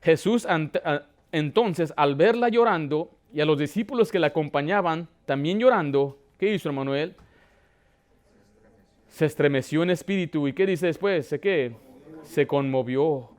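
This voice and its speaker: A man with a high voice delivers a church sermon as pastor. He often stops to ask the congregation questions, and his delivery swells with emotion as he presses his point. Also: lively intonation, normal speed, a little mellow. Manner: preaching with rising emotion, asking the congregation questions.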